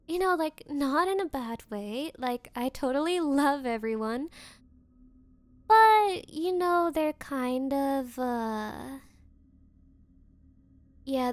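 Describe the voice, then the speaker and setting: High-pitched bratty rich girl, played by a woman. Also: dry recording. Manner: coy, haughty, hesitant valley-girl phrasing. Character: bratty spoiled rich girl, possessive, smitten but defensive. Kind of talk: anime-style ASMR audio roleplay.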